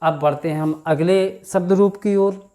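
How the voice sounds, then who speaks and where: A man teaching a grammar lesson, reciting word forms in a slow chant and talking to his students as children. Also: sits high, steady tone, mellow. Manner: addresses students as children, frequent "thik".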